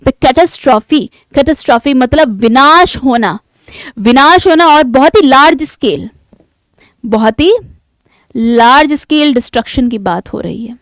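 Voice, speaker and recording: Indian woman teacher, high and crisp voice, reads English definitions slowly, lecture style. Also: animated, dry recording. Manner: asks questions then answers them herself. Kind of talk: classroom lecture.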